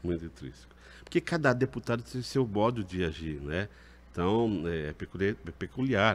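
Speaking at a fairly slow pace with long, frequent pauses, a man uses a fairly low pitch and very wide pitch swings. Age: 60s. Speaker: legislative chief of staff; guest. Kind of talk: interview. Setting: legislative assembly building. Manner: halting. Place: studio. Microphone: studio mic.

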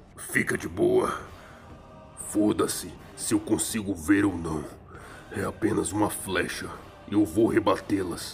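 A gruff, put-on character voice from a man, fairly slow, with long, frequent pauses and clear background noise. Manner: gruff, defiant, profane.

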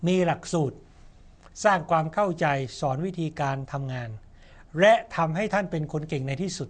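With a quiet background, a man in an ordinary speaking voice speaks at a fairly high pitch with ordinary pitch variation. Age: 40s. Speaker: company chairman. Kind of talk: interview.

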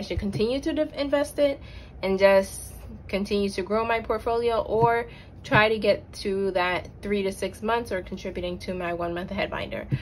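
A woman speaks over light background noise. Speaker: budgeting vlogger. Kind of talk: casual vlog chat. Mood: thoughtful, deliberating. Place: home room. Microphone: phone near.

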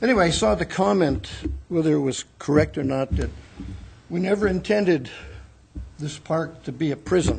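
Speaking at a moderate pace, a man uses lively intonation and leaves long, frequent pauses. His pitch sits fairly high, with vocal fry. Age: 70s. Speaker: retired landscape architect giving public comment. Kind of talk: public comment at meeting. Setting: council meeting, on a microphone.

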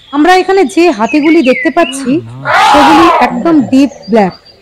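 Amid noticeable background noise, a woman's high voice moves with lively intonation while her loudness stays very even. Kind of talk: travel documentary narration.

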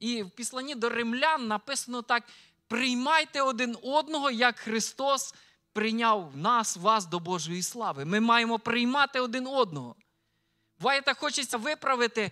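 A man speaks at a moderate pace in a raised, projected voice with extremely high pitch, a bright, sharp tone and lively intonation over a quiet background. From Ukraine, Vinnytsia region; Ukraine. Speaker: pastor. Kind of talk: sermon. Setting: church. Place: church. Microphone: handheld.

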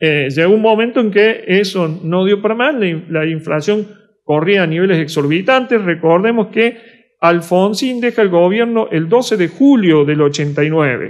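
Over a quiet background, a man with a high voice speaks at a fairly slow pace with lively intonation and very even loudness. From Argentina. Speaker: accountant, economics commentator; economics commentator. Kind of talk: radio interview. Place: studio. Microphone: studio mic.

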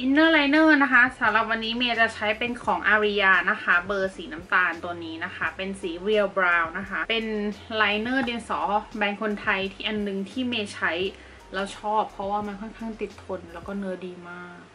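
Over faint background music, a woman talks with ordinary pitch variation. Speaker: beauty vlogger. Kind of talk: tutorial. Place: home room.

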